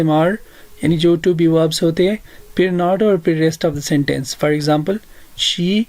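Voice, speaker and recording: Slow-talking South Asian man teaching, higher-pitched voice. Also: a little mellow, no echo. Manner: deliberate, explanatory, repeats phrases for learners. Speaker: English teacher. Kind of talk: bilingual language lesson.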